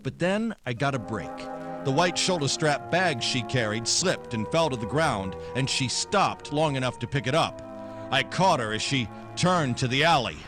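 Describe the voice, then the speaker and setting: An actor playing a tough, wisecracking private detective in a 1940s-style radio noir drama, with slangy, wry delivery. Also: male voice, mid-range voice, animated, normal speed, over music, natural voice. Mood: tense, wry. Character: hard-boiled, wisecracking male private detective narrating his case. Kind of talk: 1940s radio noir acting, first-person narration.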